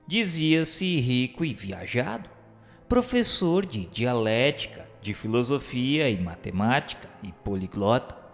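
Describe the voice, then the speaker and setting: A man's voice: medium pitch, big pitch swings, a little slow. An actor playing a sardonic dead man who recounts his afterlife in theatrical, literary radio novel style. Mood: wry, reflective. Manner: theatrical, mocking, literary diction. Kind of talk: dramatized first-person radio novel narration. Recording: long hall reverb, music underneath.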